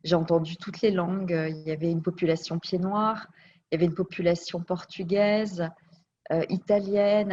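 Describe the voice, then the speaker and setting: A woman with a fairly low voice looks back on her life in an interview, thoughtful and searching for the right words as she goes. The sound is dull and a little lo-fi. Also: a little mellow, a little hiss or hum. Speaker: interview guest. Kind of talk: personal storytelling interview. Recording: dull lo-fi recording.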